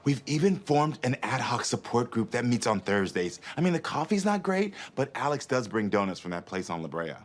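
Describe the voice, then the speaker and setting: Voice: mid-range voice, very animated, brisk, hardly any pauses. An actor playing a chatty, obliging cartoon costume designer.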